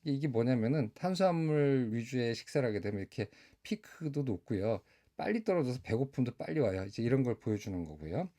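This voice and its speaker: A middle-aged man, a doctor, explaining slides to viewers in a relaxed, measured way with frequent fillers. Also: mid-range voice. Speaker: doctor explaining diabetes care.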